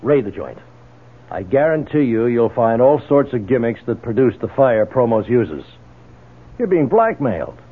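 A tough-talking American detective in a seventies radio play. The voice is medium-pitched and slightly rough, pushing its points bluntly, through a tinny, muffled broadcast recording. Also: male voice, very animated, moderate pace. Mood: urgent, confident. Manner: blunt, assertive, slangy. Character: brash, blunt male private investigator and Vietnam veteran. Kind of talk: 1970s American radio drama acting.

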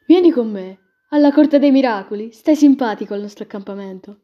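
A woman voicing a proud, fiery young gypsy woman, sharp and loud when angry, on a dull lo-fi recording. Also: fairly high pitch, level tone, fast talker, husky, soft background music.

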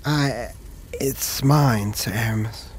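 A man's voice: mid-range voice, takes it slowly, a little hiss or hum, lightly acted. A man voicing a short, earnest young male apprentice who explains things eagerly.

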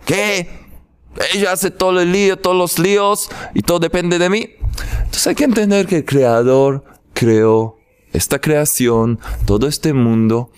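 A man giving a spiritual lesson with jokes in a lively storytelling manner. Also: on the high side, measured pace, smooth. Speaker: religious teacher. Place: in Jerusalem.

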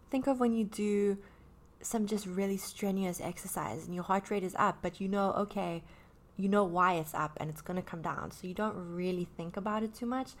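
A woman in her early thirties talking candidly about her own anxiety, rambling with many fillers and restarts. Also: medium pitch. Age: 30s. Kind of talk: personal talk about anxiety.

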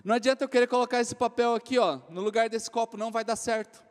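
A woman pastor preaching a lively, folksy sermon, animated and full of acted quotes, in a church. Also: on the high side, fast. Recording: long church hall reverb.

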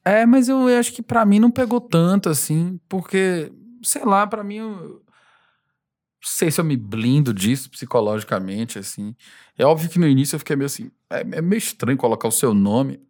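A male singer being interviewed, talking in a relaxed, rambling way, laughing often and acting out fans' voices. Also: a little high, normal speed. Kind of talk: casual interview conversation.

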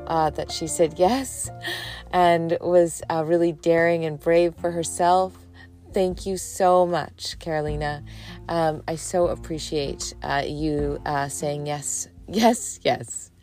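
A woman's voice: low-pitched, flat delivery, slow, warm tone, soft background music. Gushing, teary woman podcast host. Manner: emotional, gushing, many ums and uhs. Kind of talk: casual chat.

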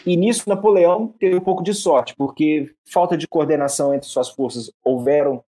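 A man's voice: fairly high pitch, moderate pace, warm tone. A man hosting a history show, explaining battles in a casual lecturing way and often stumbling over repeated syllables and restarts.

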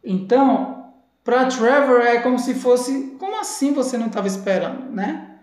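A woman with a Brazilian Portuguese accent teaching English from a video clip, repeating English phrases slowly and carefully. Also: a little high, expressive, darkish tone, echoey room. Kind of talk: language lesson explaining a video clip.

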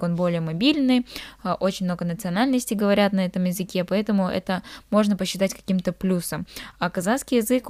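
A woman's voice: lowish voice, a little mellow, dry recording, clean studio sound. A young woman from Kazakhstan co-hosting a podcast, talking casually with frequent hesitant filler sounds. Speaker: podcast co-host. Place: living in England.

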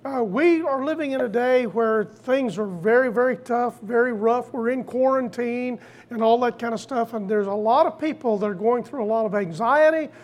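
An older preacher delivering a sermon in a folksy storytelling way, repeating phrases deliberately for emphasis. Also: medium pitch.

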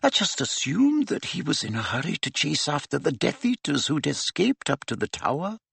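A man voicing a senior witch professor who speaks in a hushed, grave, measured and regretful way. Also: a little high, huge pitch swings, slightly rough, dry recording, pitched above the performer's own voice, full character voice. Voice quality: hushed, whispery.

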